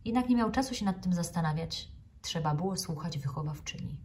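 Calm woman reading a children's story. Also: fairly low pitch, far from the mic. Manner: calm, measured, clear. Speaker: actress reading a children's book.

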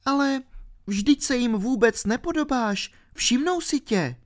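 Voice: mid-range voice, lively intonation, pitched above the performer's own voice, close to an everyday voice. A reader voicing a ten-year-old girl, bold and determined, speaking eagerly and insistently in a storybook reading.

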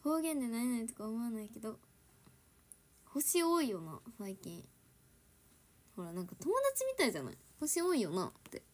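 A young adult idol with a Kansai accent livestreams from home, chatting casually, giggling often and switching between standard Japanese and Kansai dialect. Her somewhat high voice is sing-song, moderately paced, and punctuated by long pauses.

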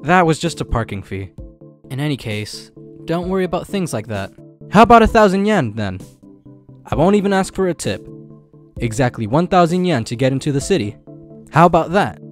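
A man voicing a confident, pushy teenage boy hustling rides in a comic fan dub, brisk and salesman-like. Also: fairly high pitch, sing-song, soft background music. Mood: insistent.

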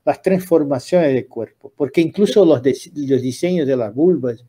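A man's voice: mid-range voice, moderate pace, warm tone, slightly rough. An older man hosting a casual interview on a video call, hesitantly searching for his words as he puts questions. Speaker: interviewer and host. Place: indoor room lined with books. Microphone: computer mic on a video call.

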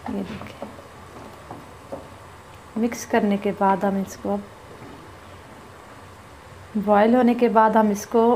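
A woman at her home stove talks viewers through a recipe in a calm, instructive voice at an ordinary pitch. A faint hiss of frying and kitchen noise sits under her voice. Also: rough recording. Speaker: cooking vlogger. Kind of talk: step-by-step cooking narration.

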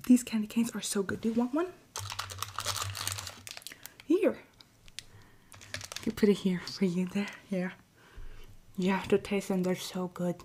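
A woman playing a friendly, patient Christmas elf helper in an ASMR roleplay, speaking softly and breathily, often in a whisper. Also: mid-range voice, slight background noise, close to an everyday voice. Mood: cheerful. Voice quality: soft, breathy, frequently whispering. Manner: gentle, encouraging, unhurried. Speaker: ASMR performer.

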